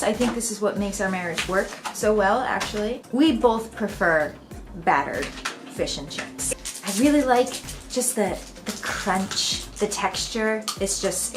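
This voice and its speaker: An American woman talks to her camera at home in a relaxed, chatty way and often laughs. Her voice sits at an ordinary pitch for a woman. Soft music plays faintly behind her. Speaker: vlogger. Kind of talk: casual talk to camera.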